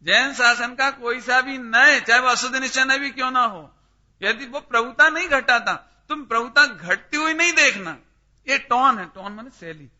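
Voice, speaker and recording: A man's voice: very high-pitched, moderate pace, pushed and bright. A man teaching a scripture study class, questioning his listeners by name and pressing each point emphatically. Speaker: religious teacher. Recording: dull lo-fi recording.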